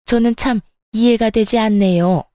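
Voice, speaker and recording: A woman's voice: fairly low pitch, fairly even intonation, moderate pace, dark tone, no room sound, studio quality, lightly acted. A woman voicing a spiteful middle-aged mother-in-law who berates and sneers, in a dramatized story reading. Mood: sneering.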